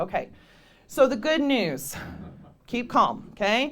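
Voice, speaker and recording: With a US Midwestern accent, a woman speaks at a moderate pace in a room with audible echo. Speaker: choir director and voice teacher. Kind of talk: lecture.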